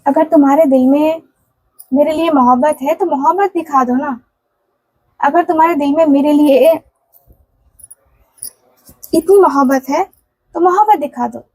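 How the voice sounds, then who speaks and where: A woman's voice: high voice, a little slow, long pauses, a little mellow, low-quality recording. A woman tarot reader speaking a channeled love message in the first person, earnest and pleading, repeating herself with casual fillers. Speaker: tarot and candle wax reader.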